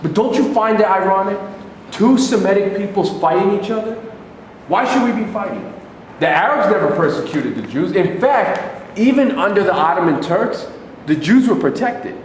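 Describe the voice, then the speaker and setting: A man's voice: high voice, lively intonation, moderate pace. A man acting in a staged reading as an aggrieved, accusing Arab man, arguing formally and rhetorically. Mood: indignant. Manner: argumentative, rhetorical, formal wording. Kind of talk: staged play reading, declaimed debate dialogue. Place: live staged reading in a reverberant room, distant microphone. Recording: echoey hall from far off, faint noise.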